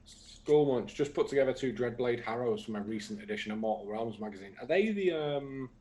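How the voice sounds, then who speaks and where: A man's voice: medium pitch, lively intonation, fairly quick, a little mellow. A man, co-hosting a casual livestream and chatting through viewer comments. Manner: chatty, reads out comments with asides. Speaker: co-host reading viewer comments.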